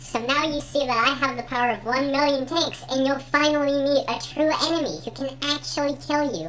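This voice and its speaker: A squeaky, high-pitched woman talks at a fairly quick pace with hardly any pauses. Clear background noise runs underneath. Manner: threatening, boastful.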